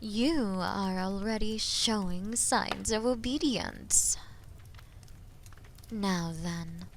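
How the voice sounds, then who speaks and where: A woman playing a haughty, menacing female dragon in an audio roleplay, imperious and mocking, with a breathy voice that often drops into whispers. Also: medium pitch, a little hiss or hum. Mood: proud, stern. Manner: imperious, mocking, slow and deliberate. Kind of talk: scripted audio roleplay addressed to listener.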